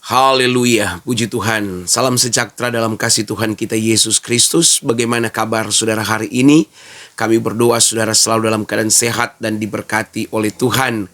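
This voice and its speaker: A man's voice: on the low side, steady tone, moderate pace, a bit bright. A man hosting a Christian program, speaking to viewers in a formal, devout, preacherly introduction.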